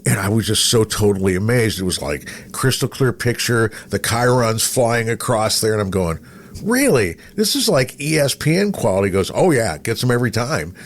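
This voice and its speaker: Very animated and lowish in voice, a middle-aged American broadcaster who hosts a radio show talks at normal speed. He rambles through casual stories, acting out other people's lines.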